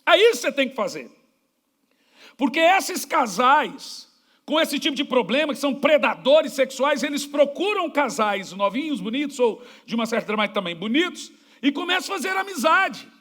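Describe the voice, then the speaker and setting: A Brazilian man preaching a sermon in church, his voice sitting unusually high. He tells jokey stories and acts out the people in them. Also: animated, moderate pace, fairly bright tone. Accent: Brazilian Portuguese. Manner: storytelling, jokey, acts out quoted dialogue. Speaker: pastor.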